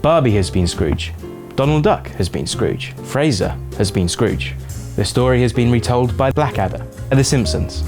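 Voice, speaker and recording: A man's voice: mid-range voice, lively intonation, normal speed, over music. A man reading scripted narration as the narrator of a video essay.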